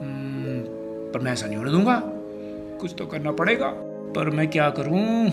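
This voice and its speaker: An actor playing a silly young village son who mishears everything, loud and goofy, in a comedy film. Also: male voice, on the high side, animated, moderate pace, music in the background. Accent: Haryanvi.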